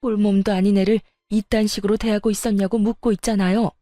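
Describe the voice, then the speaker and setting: A woman's voice: medium pitch, flat delivery, quick pace, mellow, no room sound, clean studio sound, soft background music, lightly acted. Woman voicing a stern, protective mother. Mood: furious. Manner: stern, confrontational. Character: furious protective middle-aged mother. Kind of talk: storytelling narration with acted dialogue.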